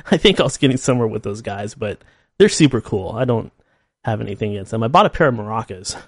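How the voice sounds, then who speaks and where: A man's voice: lowish voice, expressive, fast talker, no echo. A man in his thirties hosting his own podcast, rambling casually and laughing at himself. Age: 30s. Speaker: podcast host. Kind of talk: casual solo monologue.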